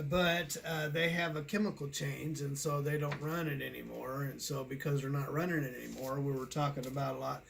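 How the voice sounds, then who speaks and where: A man's voice: a little high, creaky, a bit bright, a little hiss or hum. An American man in his sixties, a trucker chatting casually in a folksy, rambling way. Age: 60s. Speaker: owner-operator trucker and vlogger. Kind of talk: casual chat on a phone call and to camera.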